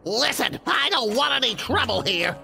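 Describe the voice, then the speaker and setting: Wildly swooping, greedy cartoon logger. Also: male voice, very high voice, big pitch swings, moderate pace, vocal fry, exaggerated voice. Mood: demanding. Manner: whiny, exclamatory, wildly swinging delivery. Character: scheming, greedy, excitable human logger, adult man. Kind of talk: English cartoon dub acting. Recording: loud music behind the voice.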